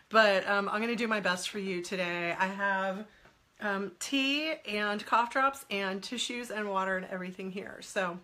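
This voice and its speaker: A woman's voice: mid-range voice, sharp tone. A woman in her forties with a stuffy head cold, chatting casually on a live stream, laughing often and greeting viewers by name. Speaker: guest speaker on a live stream. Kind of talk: casual live-stream chat answering comments.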